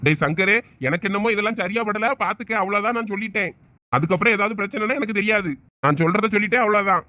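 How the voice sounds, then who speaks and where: A man's voice: sits high, quick pace, bright, forceful tone, no echo. A man voicing a blunt, scolding village boss with a Thoothukudi Tamil accent. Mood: warning. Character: gruff older boss, scolding and stingy-minded. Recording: dull lo-fi audio.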